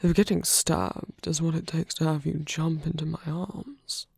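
A man playing a wounded, gentlemanly villain in love in an intimate ASMR roleplay, breathy and husky, often whispering, with a hesitant, polite, weakened delivery. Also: a little high, steady tone, no room sound, clean studio sound, exaggerated voice. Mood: teasing. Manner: hesitant, halting, polite and formal.

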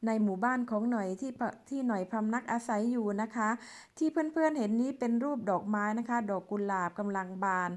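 A woman's voice: a little high, brisk, a little mellow. A middle-aged woman from Thailand, narrating her travel clips as a voice-over in a chatty, polite way, speaking to viewers as friends. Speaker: vlogger.

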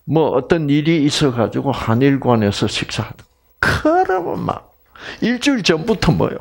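A man's voice: fairly high pitch, very animated, normal speed, gravelly. An older man from Korea giving a chatty health lecture, weaving in personal stories and frequent asides to his audience.

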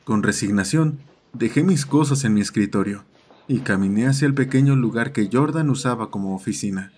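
A man's voice: mid-range voice, fairly quick, darkish tone. A man doing scripted first-person narration for an audio horror story.

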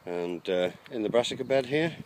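Here his voice is mid-range with lively intonation and a moderate pace, still casual and full of uhs as he tours the garden. Background noise accompanies the outdoor handheld footage.

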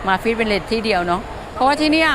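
In this casual market vlog, the host speaks quickly and expressively in a voice on the high side. She strolls through an outdoor plant market chatting with vendors, often exclaiming and restating their answers for viewers, with a busy crowd and street noise in the background.

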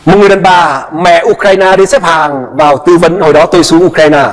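Male pastor, high-pitched, impassioned sermon, acts out voices, long hall reverb. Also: fairly even intonation, brisk. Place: church.

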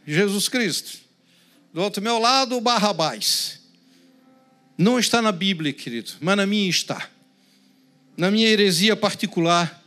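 Brazilian pastor, male, high voice, dramatic sermon delivery with hushed drops, faint music underneath. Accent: Brazilian Portuguese. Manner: dramatic preaching, swings between loud emphasis and hushed prayerful tones.

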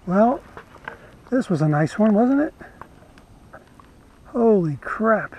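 A man casually narrating his fishing trip from a kayak, talking to the camera in a relaxed, chatty way. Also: high voice, slow, slight background noise, poor audio. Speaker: fishing vlogger. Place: kayak on a lake outdoors. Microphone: head-mounted action camera.

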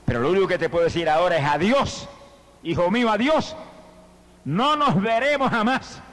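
A man's voice: sits high, expressive, moderate pace, a bit bright, in a large hall, voice pushed up. A preacher acting out a dying mother who says tender, solemn farewells to her children.

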